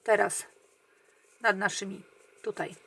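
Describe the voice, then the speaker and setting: A woman guiding viewers through a crochet pattern step by step, counting stitches aloud in a calm, quiet way that often trails off. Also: medium pitch, takes it slowly, gravelly. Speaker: crochet tutorial host.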